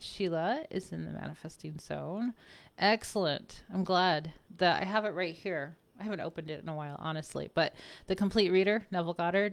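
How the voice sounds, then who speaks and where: A woman with a fairly low pitch and vocal fry speaks with ordinary pitch variation and big swings in loudness. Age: 40s. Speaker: manifestation coach. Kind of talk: live stream chat. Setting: Facebook live stream. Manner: casual, halting.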